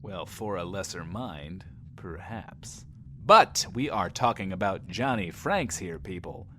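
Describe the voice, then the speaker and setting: A smug male radio host in a post-apocalyptic audio drama. He takes his time in a lowish voice, showy and wisecracking, with faint noise behind him. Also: expressive, takes it slowly, a bit bright, exaggerated voice. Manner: showy, self-important, wry. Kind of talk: in-world radio show patter.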